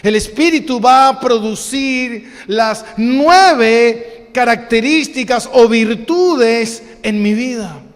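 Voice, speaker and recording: High-voiced, slow-preaching Argentine pastor. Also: male voice, big-room sound. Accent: Argentine Spanish. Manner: slow, emphatic preaching with rhetorical questions and repetition. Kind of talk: sermon. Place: church hall.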